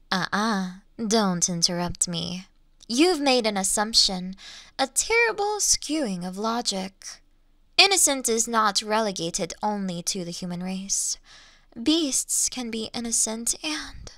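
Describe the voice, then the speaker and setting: Refined, taunting monster lady played by a woman, Victorian fantasy roleplay. Unhurried, old-fashioned delivery, close dry sound. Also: medium pitch, vocal fry, fairly bright tone, dry recording. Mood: cool, lecturing. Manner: slow, mocking, teasing, formal old-fashioned diction. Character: taunting, refined female monster toying with her hunter.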